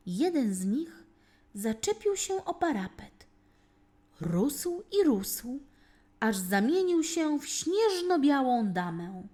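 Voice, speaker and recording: Slow, expressive woman telling a fairy tale. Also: sits high, breathy edge. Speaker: storyteller narrating a children's fairy tale. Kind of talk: scripted narration, expressive bedtime-story reading.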